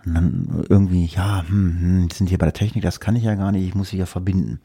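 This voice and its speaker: Male podcast co-host, low and husky, spins a loose chatty anecdote with lots of ums. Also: fairly even intonation, fast talker, warm tone, no echo, studio quality. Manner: rambling anecdote full of fillers, acts out the dialogue. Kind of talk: casual storytelling chat.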